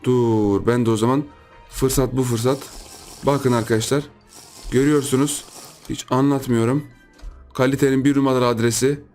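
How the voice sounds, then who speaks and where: A man hosting a gaming channel, giving lively gameplay commentary, repeating himself and yelping in surprise while chatting to his viewers. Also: medium pitch, moderate pace, long pauses, soft background music. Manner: excitable, repeats phrases, shouts in surprise; chatty, addresses viewers as friends.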